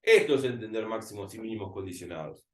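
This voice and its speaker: A man with a Rioplatense Spanish accent tutors through a recorded math lesson. He talks to himself as he writes, drawing out and repeating key words at an unhurried pace. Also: lowish voice, animated, a bit bright. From Argentina. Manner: thinking aloud while writing, repeating words slowly.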